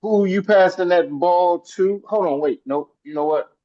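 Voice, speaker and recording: Energetic man hosting a coaching call. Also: high voice, normal speed, lo-fi sound. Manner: energetic, hype-up coaching with repeated phrases. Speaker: sales coach and meeting host. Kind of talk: hosting a group video call.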